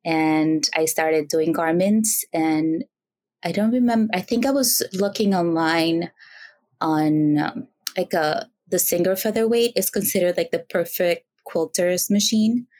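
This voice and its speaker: A woman's voice: fairly low pitch, measured pace. A woman in her thirties from the Dominican Republic, a podcast guest chatting casually and telling stories with fillers and easy laughs. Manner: relaxed storytelling with fillers and laughs. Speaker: podcast guest, quilter and teacher. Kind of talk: casual interview chat.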